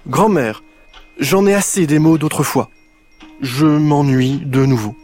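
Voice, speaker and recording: A man's voice: a little slow, faint music behind. A man voicing a curious, inventive little girl, eager and full of questions in a storybook reading. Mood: excited. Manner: eager, questioning, bursts of high excitement.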